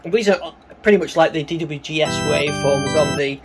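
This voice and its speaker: A man giving a casual, hands-on synthesizer demonstration, talking in a halting way as he works. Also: fairly high pitch, over loud music. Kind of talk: casual hands-on gear demo commentary. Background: synthesizer tones.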